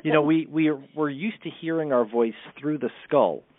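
A man talking as a speech coach in a podcast interview, brisk and candid. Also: on the high side, no room sound. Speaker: communication coach. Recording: tinny phone-like line, dry.

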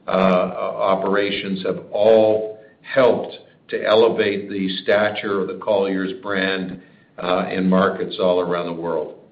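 A man speaking as a senior company executive, answering analyst questions on a conference call in a measured, deliberate way. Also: deep voice, roomy sound, lo-fi sound.

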